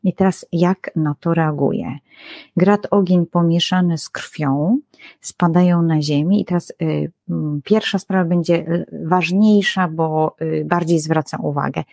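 A woman with a fairly low voice explains scripture in an animated, chatty way, with hesitant fillers and quoted lines she acts out. The sound is dry and close, with no room echo. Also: a little slow, creaky. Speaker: biblical scholar guest. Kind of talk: explanatory conversational talk.

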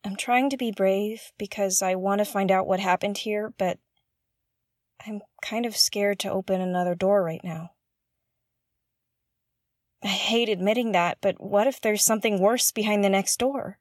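A woman's voice: medium pitch, fairly even intonation, normal speed, a little mellow, no room sound, studio quality, close to an everyday voice. Hesitant, earnest young spaceship explorer played by a woman. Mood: anxious, earnest. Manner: hesitant, self-correcting, chatty and earnest. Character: nervous, curious, earnest young woman investigating a derelict spaceship. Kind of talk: audio drama, confessional log to listeners.

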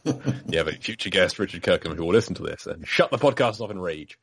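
Deep, breathy-voiced male podcast guest. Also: lively intonation, fast. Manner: joking, slips into mock voices and laughs. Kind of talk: casual podcast chat.

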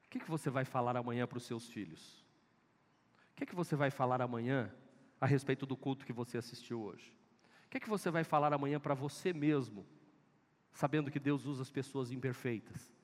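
A man's voice: mid-range voice, brisk. A male pastor with a Northeastern Brazilian accent, preaching an emphatic sermon full of repeated exhortations in a church. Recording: echoey church hall.

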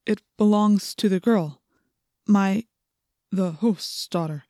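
A woman's voice: mid-range voice, slow pace, warm tone, no room sound, clean studio sound, lightly acted. A woman reading an audiobook voices a nervous middle-aged man who stammers when addressed. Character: nervous middle-aged male school official.

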